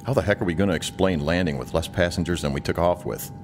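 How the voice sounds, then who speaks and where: A man's voice: deep voice, fast talker, over music. A man voicing a rattled, colloquial airline co-pilot in an audiobook thriller. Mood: agitated, alarmed. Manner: agitated, colloquial. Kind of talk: audiobook character dialogue.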